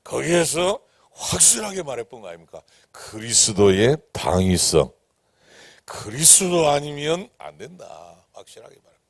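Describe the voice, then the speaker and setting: Gravelly pastor preaching, loud then whispering, keeps asking the church questions. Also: male voice, medium pitch, sing-song, measured pace, no room sound. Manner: swings from loud emphatic declarations to hushed whispers; asks the congregation rhetorical questions. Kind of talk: sermon. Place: church sanctuary.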